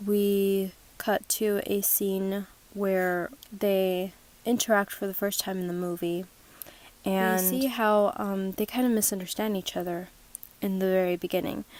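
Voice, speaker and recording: Delivery is fairly slow, with monotone, flat intonation. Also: woman, medium pitch for a woman. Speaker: video essayist. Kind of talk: video essay voiceover. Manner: halting, stuttering.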